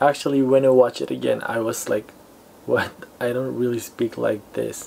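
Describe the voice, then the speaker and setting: A man speaks with a Filipino accent over noticeable background noise. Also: moderate pace. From Philippines. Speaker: vlogger. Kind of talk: casual chat, reading comments aloud. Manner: hesitant, filler-heavy.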